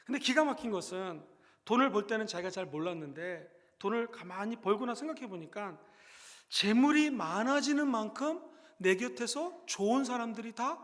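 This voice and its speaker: High-voiced young pastor with Gyeongsang accent. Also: male voice, in a large hall. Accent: Gyeongsang Korean. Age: young adult. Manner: emphatic, rising to loud exhortation. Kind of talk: sermon.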